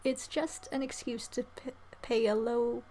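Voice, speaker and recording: A woman streaming a game, commenting casually and reading the dialogue aloud in an animated way. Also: fairly high pitch, a little slow. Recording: slight background noise.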